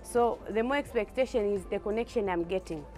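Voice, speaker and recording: A woman's voice: mid-range voice, a little fast, darkish tone, soft background music. A woman from Tanzania, a company CEO, speaking earnestly in an interview. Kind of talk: interview testimonial.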